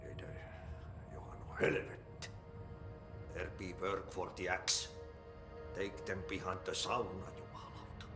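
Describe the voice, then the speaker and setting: A man's voice: low voice, level tone, measured pace, pauses often. A man playing a blunt, cryptic old janitor in a game, with a Finnish accent and a terse, matter-of-fact manner. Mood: gruff muttering. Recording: echoey room, music behind.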